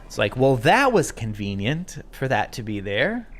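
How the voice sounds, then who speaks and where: A man giving casual, slangy, chatty commentary as he plays a video game, reacting out loud. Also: medium pitch, sing-song, measured pace. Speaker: video game let's-play host. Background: video game music.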